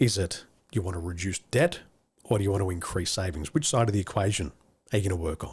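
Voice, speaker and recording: A man with an Australian accent, somewhat breathy and fairly low in pitch, at a moderate pace. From Australia, northwest Sydney. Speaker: business coach. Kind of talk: online masterclass hot seat coaching. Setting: video call webinar. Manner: upbeat.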